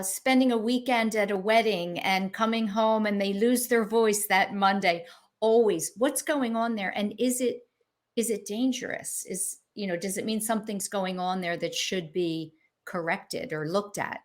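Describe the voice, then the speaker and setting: Woman, podcast host, conversational, halting questions, medium pitch. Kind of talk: interview questions.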